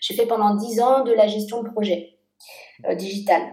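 A woman, a guest UX researcher, talking casually in an interview, measured and with frequent fillers. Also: mid-range voice, steady tone, mellow. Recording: echoey room.

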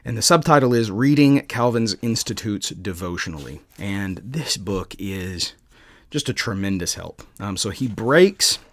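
Man hosting a podcast, halting delivery. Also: lowish voice, animated, fairly bright tone, no room sound. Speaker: podcast host. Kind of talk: casual podcast talk and book recommendation.

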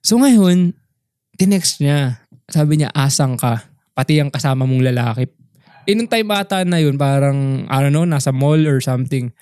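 A man's voice: a little high, expressive, normal speed, dark tone, clear, resonant tone, no echo, studio quality. A young man co-hosting a podcast, telling a story in casual chat, mixing English slang and saying "bro" constantly. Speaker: podcast co-host.

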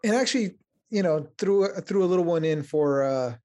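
Joking podcast host, Mexican accent. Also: male voice, fairly high pitch, moderate pace. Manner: relaxed, joking, loose trailing phrasing. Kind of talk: casual podcast chat.

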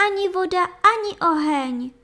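Sorrowful young princess, voiced by a woman, raised high, soft and imploring. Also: expressive, heavily acted. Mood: tearful pleading. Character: young captive princess, pale, sorrowful, gentle.

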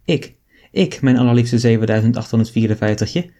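A man's voice: medium pitch, a little fast, mellow, lightly acted. A man reading an audiobook, voicing an affectionate female talking monkey in a coaxing, tender way.

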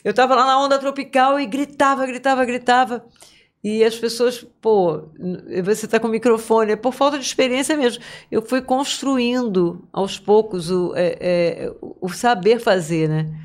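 Female voice talent, warm-hearted lively storyteller, podcast guest. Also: a little high, normal speed. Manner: lively storyteller, laughs often, animated. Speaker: guest voice-over artist. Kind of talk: casual podcast chat. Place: podcast studio.

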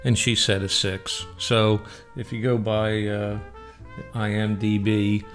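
A man's voice: lowish voice, little pitch movement, takes it slowly, a bit bright, soft background music. A man hosting a radio show, giving casual, opinionated film reviews in a conversational way.

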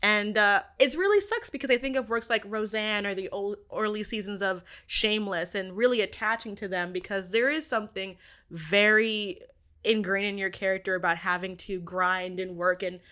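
A woman guest talks in a bright, forward voice. She explains her views conversationally, sounding casual yet articulate and analytical as she builds her points. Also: mid-range voice, moderate pace. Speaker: interview guest, pop culture analyst. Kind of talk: conversational commentary.

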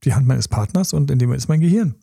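Speaking in rapid-fire bursts at medium pitch, this man's voice is gravelly and a bit rough. He co-hosts a podcast, offering slangy relationship tips and acting out short quoted moments with lots of energy. Recorded in a studio, with no room sound.

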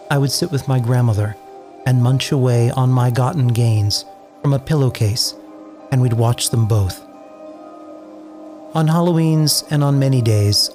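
Mellow American man, theatrical scripted narration. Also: mid-range voice. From New England, United States. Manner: theatrical, lyrical storytelling. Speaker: showrunner and writer introducing his show.

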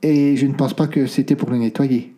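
A man reading aloud and voicing a worried, secretive older grandmother who speaks in a soft, hesitant way. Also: mid-range voice, steady tone, normal speed, lightly acted. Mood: evasive.

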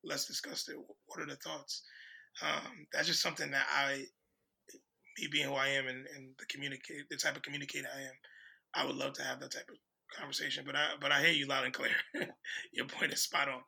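A man's voice: mid-range voice, little pitch movement, a little fast, creaky, sharp tone, husky, low-quality recording. A man in a casual discussion who speaks agreeably and hesitantly, often restarting his sentences. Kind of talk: casual conversation.

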